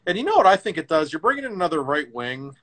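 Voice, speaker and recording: A middle-aged man in a casual hockey talk show, telling stories with lively, emphatic swings in his voice. His delivery is loose and conversational, punctuated by quick bursts of emphasis. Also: fairly high pitch.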